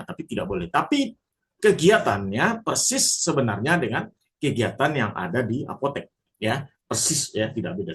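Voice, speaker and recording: A man lecturing on legal rules to an audience, explaining step by step, often pausing on a filler and restarting phrases. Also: mid-range voice. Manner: addresses audience formally. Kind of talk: spoken lecture.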